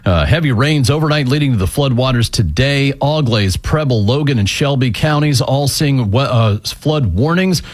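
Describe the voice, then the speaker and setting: A man's voice: mid-range voice, expressive, moderate pace, hardly any pauses. A male radio announcer with a mid-range voice reads a weather update steadily. His delivery is plain and matter-of-fact.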